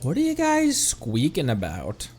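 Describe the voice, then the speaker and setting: A man's voice: a little high, wildly swooping pitch, measured pace, a little mellow. A man giving casual, joking, sarcastic commentary as he streams a game. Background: faint game music.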